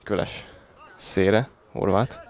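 A man's voice: on the low side, a little mellow. A man giving conversational live football commentary in short calls, outdoors at a small ground.

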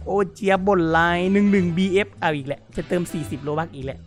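A man commenting on a role-play game, reading chat messages aloud, excitable and often laughing. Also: high-pitched, fast, over music. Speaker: gaming YouTuber.

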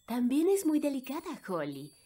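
Cartoon fairy queen and mother: gentle but firm, slightly husky, lively Latin American Spanish intonation. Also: high-pitched, normal speed, faint music behind, full character voice. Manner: poised, instructive. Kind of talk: children's cartoon dub.

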